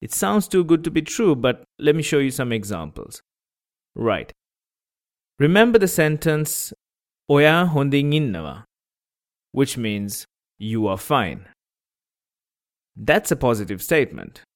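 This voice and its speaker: Man, language tutor, very unhurried delivery, patient, spells out syllables. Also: medium pitch, very animated. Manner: patient, repeats examples slowly; breaks words into syllables. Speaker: language teacher. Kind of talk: podcast language lesson.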